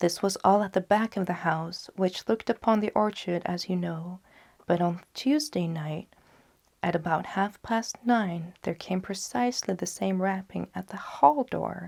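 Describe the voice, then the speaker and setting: A woman's ordinary speaking voice at a medium pitch, fairly slow in pace, with ordinary pitch variation. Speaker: storyteller. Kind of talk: gothic short story reading.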